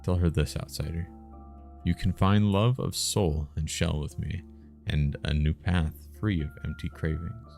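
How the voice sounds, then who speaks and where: A man's voice: a bass voice, steady tone, measured pace, vocal fry, darkish tone, faint music behind, full character voice. A man voicing a shy, devout tribal woman in a fantasy game, earnest and formal in manner. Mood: solemn, confident.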